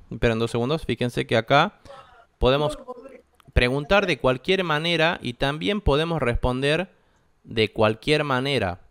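Argentine teacher explaining patiently. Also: male voice, mid-range voice, a bit bright, clean tone, dry recording. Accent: Argentine Spanish. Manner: explains patiently, checks in with students. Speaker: English teacher. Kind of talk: classroom lesson. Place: classroom.

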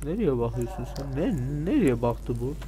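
A man giving casual gameplay commentary, excitable and sarcastic, talking back at game characters with sudden loud outbursts and grumbling asides. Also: mid-range voice, moderate pace, breathy edge. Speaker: let's play gamer.

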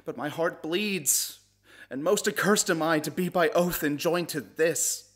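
A man playing a grieving, reluctant nobleman in a slow, solemn classical stage monologue. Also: on the high side, fairly bright tone, breathy edge. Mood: sorrowful, haunted. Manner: slow, solemn, formal verse delivery. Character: grieving, reluctant nobleman in Shakespearean tragedy, tender and haunted.

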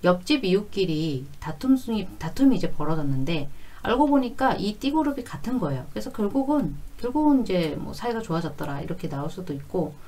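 A woman's voice: fairly low pitch, very animated, brisk, warm tone. A woman in her forties giving a conversational explanatory lesson, going step by step and repeating key phrases. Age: 40s. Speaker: fortune-telling teacher.

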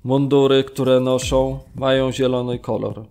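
A man acting a camp prisoner in a radio drama, narrating gravely and with measured restraint, as testimony. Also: mid-range voice, little pitch movement, darkish tone, faint music behind, lightly acted. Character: male Polish camp prisoner recalling brutality, grave, restrained. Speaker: narrator reading witness testimony.

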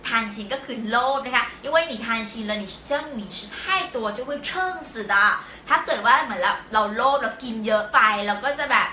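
A woman teaching a live-stream language lesson, patiently explaining step by step and slowly repeating words for learners. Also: fairly high pitch, sharp tone, slight background noise. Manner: slow, drawn-out repetition of words for learners. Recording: echoey room.

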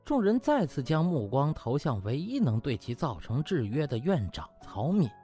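A man's voice: fairly high pitch, very animated, normal speed, dark tone, faint music behind. A man narrating a comic novel as an audiobook, with a theatrical, dramatic storytelling delivery.

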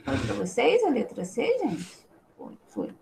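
A woman's voice: fairly high pitch, wildly swooping pitch, slow pace, vocal fry, warm tone, slight background noise, poor audio. A Brazilian woman teaching an online class, patiently explaining and checking in with frequent tag questions. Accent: Brazilian Portuguese. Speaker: schoolteacher.

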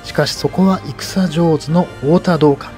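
Bright-less, mellow higher-pitched male history guide. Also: steady tone, measured pace, faint music behind. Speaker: local history guide and narrator. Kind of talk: explanatory historical narration.

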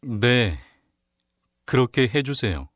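Guy reading exam questions n dialogue, very slow, dry studio sound. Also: mid-range voice, sing-song, fairly bright tone, no echo. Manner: slow, carefully enunciated. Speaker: narrator and dialogue reader on a Korean listening exam. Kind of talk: scripted exam narration and dialogue.

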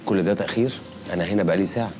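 An actor with an Egyptian accent playing a relaxed, flirtatious man on a date. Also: deep voice, racing, background noise, close to an everyday voice. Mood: flirting. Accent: Egyptian Arabic. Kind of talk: TV drama acting.

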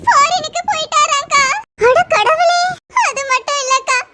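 A woman's voice: very high voice, moderate pace, background noise. A woman voicing a timid, tearful pregnant teenage girl in a cartoon, begging and pleading. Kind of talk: cartoon voice acting.

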